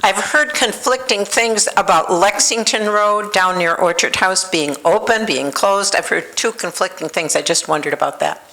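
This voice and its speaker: A woman's voice: mid-range voice, normal speed, hardly any pauses, bright, forceful tone, rough recording. A woman in the audience asking a curious question at a public meeting. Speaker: audience member.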